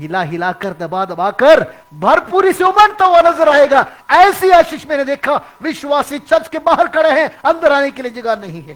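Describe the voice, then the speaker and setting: A man's pitch swings very widely while noticeable noise sits behind him. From South India. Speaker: pastor. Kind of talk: sermon. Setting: church.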